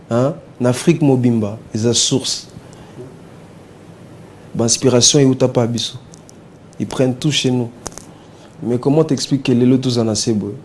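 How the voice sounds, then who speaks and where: A male musician being interviewed, talking in a relaxed, hesitant way and slipping in Lingala words. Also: medium pitch, a little hiss or hum. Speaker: musician guest. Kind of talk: casual interview talk.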